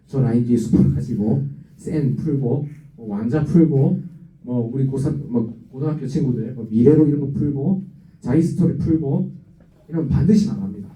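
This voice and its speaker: A man with a Gyeongsang accent preaching an animated, exhorting youth revival sermon in a church sanctuary. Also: mid-range voice, moderate pace. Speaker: guest preacher. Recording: roomy, dull, distant church recording.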